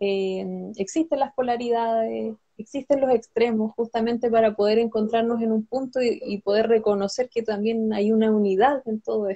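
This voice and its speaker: A woman's fairly high voice with a dark, mellow tone, fairly even intonation and a moderate pace, against a quiet background. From southern Chile (Wallmapu); southern Chile. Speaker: ayurveda practitioner / women's health guide; women's health guide. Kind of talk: interview on a live stream. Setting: video call. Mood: reflective, warm. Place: home room. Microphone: video call.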